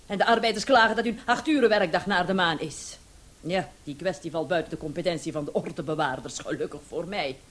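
An actress playing a brisk, bossy and easily distracted female police commissioner in a comic radio play. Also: lowish voice, lightly acted.

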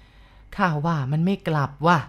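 A coarse old villager, roused late at night, drawls each word slowly and bluntly. A woman acts him out in a storybook reading, pitching him a touch higher than her own voice. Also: close to an everyday voice. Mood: gruff. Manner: slow, coarse rustic speech. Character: gruff old village man, rustic and blunt.

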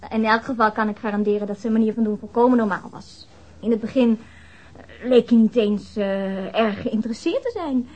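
A woman's voice: fairly high pitch, normal speed, darkish tone, natural voice, poor audio. An actress in a radio drama playing a frank, flirtatious woman witness who speaks in a hesitant yet candid, matter-of-fact way. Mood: frank, insistent. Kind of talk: radio drama acting, naturalistic dialogue.

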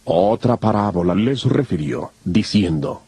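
A man's voice: lowish voice, lively intonation, unhurried, mellow, breathy edge, no room sound. A man narrating a dramatized scripture recording from a script. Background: faint music.

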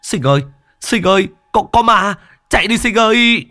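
A man doing a shrill, stammering young thief. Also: normal speed, vocal fry, slightly rough, no echo, studio quality, exaggerated voice. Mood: panicked. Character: jittery young male thief, easily scared.

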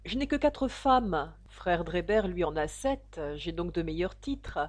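A woman reading the part of a self-righteous young male Mormon elder, with a loud, emphatic delivery. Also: lowish voice, animated, unhurried. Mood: pompous.

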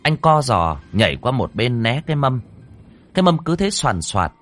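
A man's voice: mid-range voice, big pitch swings, moderate pace, fairly bright tone. A man narrating a ghost story in a suspenseful, dramatic way.

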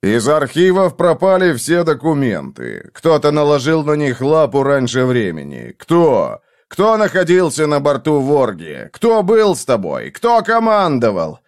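A man voicing a brutal vengeful man who interrogates in a harsh, slow, menacing way. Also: on the high side, wildly swooping pitch, voice pushed up, exaggerated voice.

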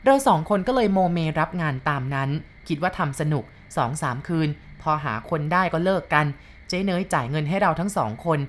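A woman reading a first-person ghost story aloud in a plain, unhurried way. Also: low-pitched, lively intonation.

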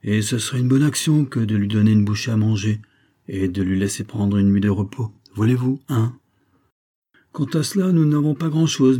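A man's voice: lowish voice, dark tone. A man voicing an easygoing male gypsy traveller who talks in a jovial, familiar way.

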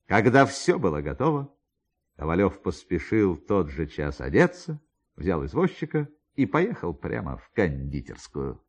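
Low-pitched, highly animated male storyteller. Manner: theatrical, with emphatic pauses and drawn-out words. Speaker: narrator. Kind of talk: dramatised literary narration for radio.

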